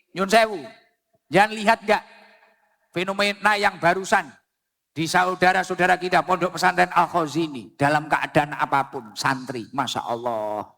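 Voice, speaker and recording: High gravelly Javanese preacher in a hall. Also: male voice, pushed and bright. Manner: jokey storytelling, mixing Javanese and Arabic. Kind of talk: sermon.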